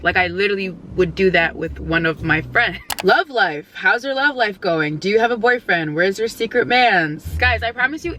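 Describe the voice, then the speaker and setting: A young woman in her twenties talks straight to her followers with a bright, forward tone. She jokes, fills her talk with "like", and overshares. Faint noise sits under her voice. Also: medium pitch. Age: 20s. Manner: playful, laughs often, jokey and oversharing; bursts into loud exclamations. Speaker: vlogger answering viewer questions. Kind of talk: casual Q&A chat to camera.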